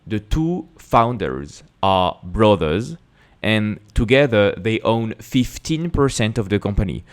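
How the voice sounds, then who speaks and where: A man with a French accent, a native French speaker, host of an investing channel, talking to camera in an emphatic way with rhetorical questions. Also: fairly low pitch. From France. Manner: emphatic, repeats words and restarts, rhetorical questions. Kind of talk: casual explanatory talk to camera.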